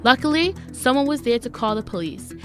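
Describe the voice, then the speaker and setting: A woman's voice: high-pitched, expressive, brisk, fairly bright tone, faint music behind. A woman reading scripted news and announcements as a college radio reporter.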